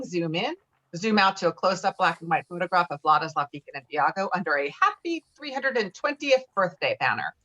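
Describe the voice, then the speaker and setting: A woman's voice: lowish voice, fairly bright tone, highs cut off. A woman reading screenplay directions aloud at a table read in clipped, descriptive phrases. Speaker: stage directions reader.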